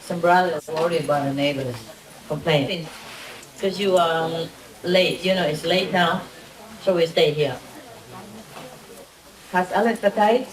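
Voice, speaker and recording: Woman w foreign accent, not native german, lowish voice, teacher chatting to a group, distant mic w crowd around. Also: a little slow, pauses often, roomy sound. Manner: short simple phrases, often repeated, teasing. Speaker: spiritual teacher leading a gathering. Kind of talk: casual informal talk to a group.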